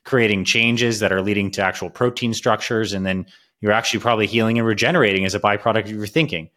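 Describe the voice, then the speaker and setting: Man, American accent, fairly low pitch, podcast host, thoughtful, halting, conversational phrasing. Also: fairly even intonation, fairly bright tone. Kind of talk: conversational interview.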